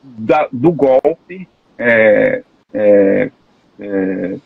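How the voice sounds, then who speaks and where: Host guy on a live stream, lowish voice, kinda husky, stops and restarts a lot, dull lo-fi sound. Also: animated, very slow, no room sound. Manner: hesitant, many fillers and restarts, earnest. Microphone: live stream call.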